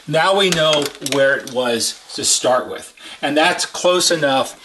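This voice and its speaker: A man's voice: on the high side, takes it slowly, background noise. A man giving an informal how-to demonstration as a repair technician, plain-spoken and step by step, repeating points for emphasis. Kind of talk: informal instructional explanation.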